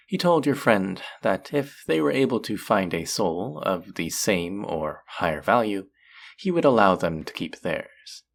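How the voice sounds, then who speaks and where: A man voicing a flirty, possessive demon casino worker in a roleplay audio drama, teasing and taunting with seductive, drawn-out phrasing. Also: fairly low pitch, creaky, exaggerated voice. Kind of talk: scripted roleplay audio drama addressed to the listener.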